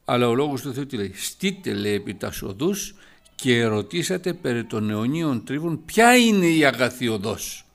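A man preaching a sermon, lively and rising to loud emphatic passages. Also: medium pitch.

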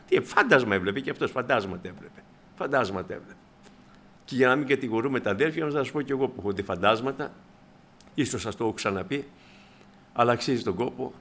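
A man preaching a sermon, telling stories in a lively way and acting out the people in them. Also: mid-range voice, slight background noise. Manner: animated storytelling, acting out the people in his stories.

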